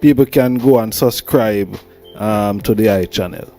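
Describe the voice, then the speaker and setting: A Jamaican man hosts a programme in Rasta speech, full of reverent greetings. His delivery is slow and measured, with a soft, mellow tone, and music plays behind him. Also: fairly low pitch. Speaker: host. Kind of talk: talk show hosting in Rasta speech.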